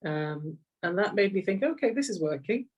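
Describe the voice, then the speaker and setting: A woman's voice: mid-range voice, expressive, normal speed, a little mellow, distant mic, highs cut off. A middle-aged woman with an English accent tells personal stories conversationally, reflective and repeating phrases for emphasis. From Kenya, later rural England. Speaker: interview guest, executive coach.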